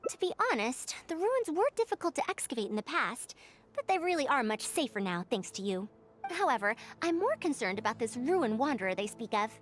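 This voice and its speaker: High-pitched, proud scholarly lady. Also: sing-song, brisk, soft background music. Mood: thoughtful, explaining. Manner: formal, bookish phrasing. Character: proud, scholarly woman researcher, brisk and self-assured. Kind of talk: English video game voice acting.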